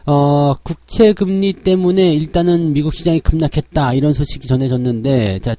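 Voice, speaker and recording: A man with a slightly hoarse voice giving a daily stock market briefing, explaining each point step by step. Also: a little high, mellow, dry recording. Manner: explanatory, frequent "자" openers.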